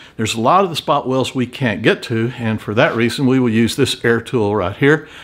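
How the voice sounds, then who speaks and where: A man's medium-pitched voice with an American accent and ordinary pitch variation, over noticeable background noise. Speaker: car restoration YouTuber. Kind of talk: tutorial.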